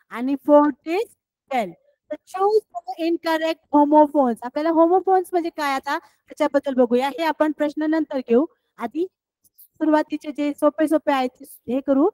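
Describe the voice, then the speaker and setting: A woman teacher with a Marathi accent explaining English words to children, slowly and deliberately, often repeating her questions to the class. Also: high voice, a little mellow, no echo, low-quality recording. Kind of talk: scholarship exam English lesson for children.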